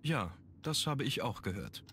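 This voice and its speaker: An actor playing a grave, brooding young aristocratic heir in a video game, speaking in a measured way. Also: male voice, medium pitch, very animated, fairly bright tone, slight background noise. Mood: guarded. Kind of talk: German video game voice acting.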